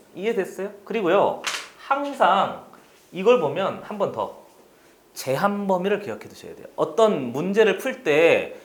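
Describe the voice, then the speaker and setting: A moderate pace over noticeable background noise. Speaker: math teacher. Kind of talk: lecture.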